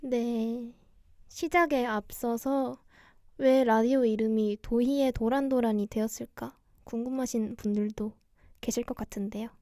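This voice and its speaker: A young woman hosting a cozy radio-style livestream chat, speaking in a soft, gentle, quiet way. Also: on the high side, fairly even intonation, measured pace, no room sound, clean studio sound. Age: young adult. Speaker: radio DJ host, idol singer livestreaming.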